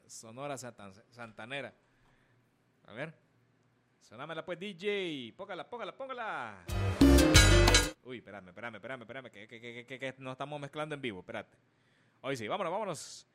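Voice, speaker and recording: A man's voice: mid-range voice, a bit bright. A man hosting a live music request show on the radio, chatting informally and often repeating his phrases. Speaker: radio DJ and host.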